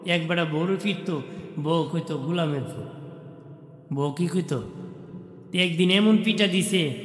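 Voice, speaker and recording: High chanting preacher over echoing speakers. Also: male voice. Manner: swings from soft talk to high chanted calls. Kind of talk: Bengali waz sermon, chanting. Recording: echoey long reverb through PA.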